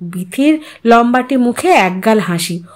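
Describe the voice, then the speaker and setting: High, expressive woman narrating a story. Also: measured pace.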